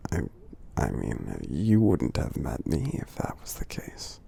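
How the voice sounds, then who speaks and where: A man voicing a kindly, reassuring giant in a soothing ASMR roleplay, half-whispering with a husky, gravelly creak and halting delivery. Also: very deep voice, wildly swooping pitch, warm tone, exaggerated voice. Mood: fond, amused. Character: gentle friendly male giant, kindly and reassuring. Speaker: ASMR performer.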